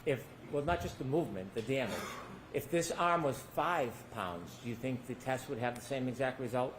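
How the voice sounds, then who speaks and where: A man's voice: mid-range voice, animated, moderate pace, slight background noise. Male trial lawyer, pointed cross-examiner, mid-range voice, courtroom recording. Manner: pointed leading questions with tag endings. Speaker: defense attorney.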